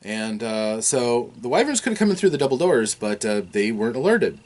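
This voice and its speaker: A man recapping a tabletop game session as game master, with a voice of middle pitch. His delivery is animated and rises and falls a lot. He talks in a chatty way, full of "uh"s. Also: a little fast. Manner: chatty, with frequent fillers, acts out characters' lines.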